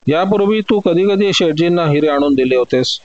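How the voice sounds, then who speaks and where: A man's voice: a little high, lively intonation, normal speed, a little mellow, no room sound, muffled recording, voice pushed up, close to an everyday voice. A man voicing a shrewd, stern male police sub-inspector who asks firm, probing questions.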